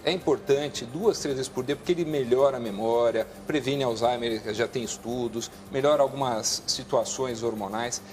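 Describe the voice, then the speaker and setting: A man, a guest doctor on a television talk show, explains health advice in a calm, teacherly way, often restarting his sentences. His voice sits at a middle pitch, with faint music under it. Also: normal speed, few pauses.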